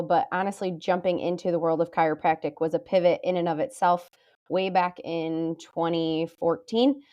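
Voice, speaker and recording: Lady in her 30s, podcast guest telling her story, relaxed and candid, lowish voice. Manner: relaxed, candid, self-deprecating. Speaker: chiropractor guest.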